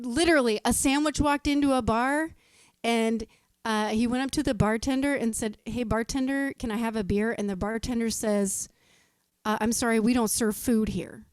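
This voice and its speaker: Woman musician guest, chatty and giggly, fairly high voice, dry close sound. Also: moderate pace, dry recording. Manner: chatty, laughs often, tells corny jokes. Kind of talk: casual interview chat.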